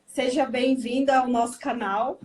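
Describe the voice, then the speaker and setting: Woman live-stream host, slow and higher-pitched, faint noise in the background. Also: steady tone, a little mellow. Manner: slow, chatty and welcoming.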